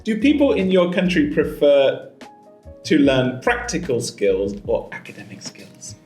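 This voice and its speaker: Brief: encouraging male examiner, lively swooping pitch, echoey room with faint music. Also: measured pace. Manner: encouraging, lavish with praise. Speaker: IELTS examiner and teacher. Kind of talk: mock speaking test.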